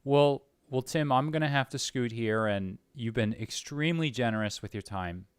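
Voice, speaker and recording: A man's voice: mid-range voice, moderate pace, clear, resonant tone, no room sound. A man hosting a casual interview, speaking earnestly and full of appreciation. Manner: earnest, effusive praise of guest. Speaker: show host.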